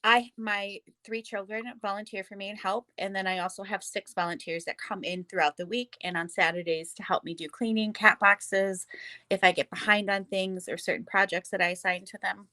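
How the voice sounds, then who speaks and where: A woman with a Wisconsin accent who talks in a plainspoken, matter-of-fact way and slips in dry little jokes. Her voice sits at an ordinary middle pitch. It is recorded close and dry, with no room sound. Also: steady tone, moderate pace, bright, forceful tone, dry recording. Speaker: cat cafe owner. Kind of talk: casual interview answers.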